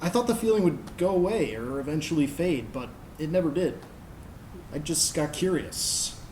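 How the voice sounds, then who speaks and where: A man's voice: on the high side, lively intonation, normal speed, a little mellow, lightly acted. A man acting in a staged reading as a gay military brat recalling youth in a wry, conversational, comic way. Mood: wistful. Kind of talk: animated storytelling monologue to an audience. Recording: stage recording with faint noise.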